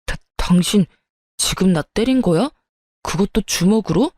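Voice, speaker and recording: A woman's voice: mid-range voice, animated, a little slow, a little mellow, dry recording, clean studio sound. A woman voicing a selfish, hot-tempered young husband in a read-aloud story, blustering and stammering when flustered.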